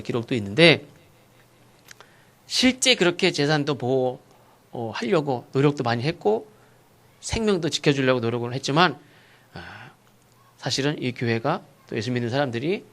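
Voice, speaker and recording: A male pastor preaching a sermon, asking rhetorical questions and acting out sharp rebukes. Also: on the high side. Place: church sanctuary.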